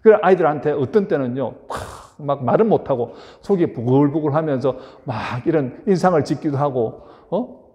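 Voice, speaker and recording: A male pastor delivers a sermon with a somewhat high, very animated voice that rises and falls as he presses the congregation with questions. His words carry a long reverb from the church sanctuary around him. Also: fairly quick, muffled recording. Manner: emphatic preaching with rhetorical questions to the congregation.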